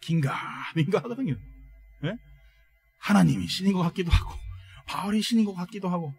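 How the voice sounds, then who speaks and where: Brief: high-pitched man preaching, emphatic and rousing, drawing replies from the congregation. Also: fairly quick, breathy edge, faint music behind. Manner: emphatic, swings from soft to loud proclamations; calls for congregation responses. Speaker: pastor. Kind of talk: sermon.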